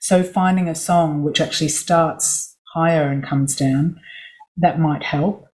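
A woman vocal coach guest on a podcast interview, explaining at a measured pace with many asides. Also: low-pitched, steady tone, darkish tone, rough recording.

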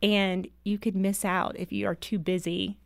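A woman's voice: medium pitch, level tone, moderate pace, gravelly, no room sound. A woman in her thirties, a mother and author, telling personal stories earnestly in an interview and growing emotional at times. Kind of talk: interview conversation.

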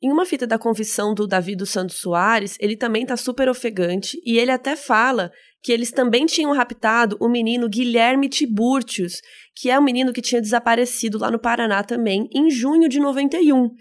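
Female podcast co-host, somewhat high pitch, conversational and explanatory. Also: brisk, hardly any pauses. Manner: chatty, explanatory asides. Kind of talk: casual true-crime retelling.

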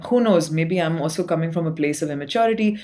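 A woman's voice: sits low, fast talker, dark tone. A young woman from Dubai, a singer-songwriter guest, chatting casually in an interview with lots of fillers and laughter.

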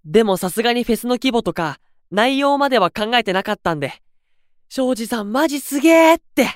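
A man's voice: very high-pitched, animated, fairly quick, no echo, clean studio sound. A man playing a cheerful, carefree junior idol with breezy, boyish, slangy delivery in an anime-style audio drama. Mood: upbeat.

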